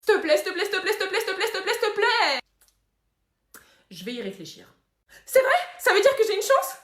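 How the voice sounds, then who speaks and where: A woman's voice: big pitch swings, moderate pace, fairly bright tone, reverberant. Woman playing a whiny begging angel. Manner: pleading, high-pitched begging. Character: whiny pleading young female angel.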